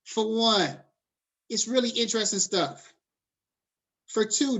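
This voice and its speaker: A middle-aged man lectures his students in an easy, conversational way. He mixes textbook terms with relaxed slang and talks to the class directly. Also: sits high. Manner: conversational, drifts into casual slang. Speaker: college lecturer.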